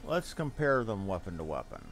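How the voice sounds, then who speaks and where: A man's voice: low-pitched, sing-song, fairly quick, fairly bright tone, slight background noise. A man giving casual, rambling gameplay commentary as a streamer, thinking aloud as he goes. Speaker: game streamer. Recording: game music behind voice. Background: video game music.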